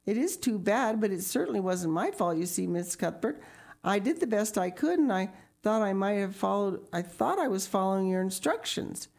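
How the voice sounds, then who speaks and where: A woman voicing a fussy, kindly older woman who gushes and apologizes in a high, raised voice. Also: expressive, normal speed, gravelly, a little mellow. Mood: flustered. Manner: gushing, apologetic, exclamatory.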